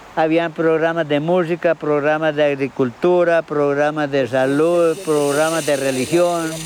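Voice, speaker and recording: A man speaks at a fairly high pitch and a fairly slow pace, in a monotone, flat intonation. There are hardly any pauses, and background noise is noticeable. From Colombia, rural Antioquia (Gómez Plata). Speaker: farmer. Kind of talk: interview storytelling.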